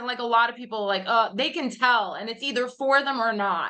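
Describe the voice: A woman in a New York accent talks at a moderate pace with a fairly high pitch.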